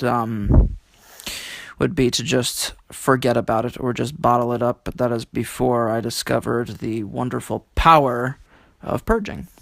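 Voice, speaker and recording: A man speaking as an interview guest, reflective and halting, telling personal stories with quirky, theatrical turns of phrase. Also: medium pitch, vocal fry, no echo. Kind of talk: conversational interview, personal storytelling.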